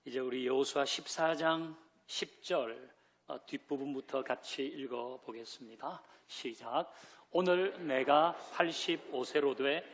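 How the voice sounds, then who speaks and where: A man's voice: medium pitch, a little slow. A man preaching a Sunday sermon as pastor, who asks the congregation questions, leads them in reading scripture and drops in light joking asides. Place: church sanctuary.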